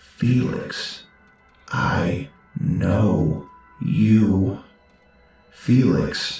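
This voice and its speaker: In a put-on character voice, a man growls out guttural words at a fairly low pitch and a very slow pace, with slight echo and faint music in the background. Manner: threatening.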